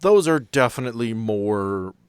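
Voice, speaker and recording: A man's voice: medium pitch, animated, measured pace, clear, resonant tone. A man narrating a tabletop horror game as game master, describing scenes in a casual, conversational way.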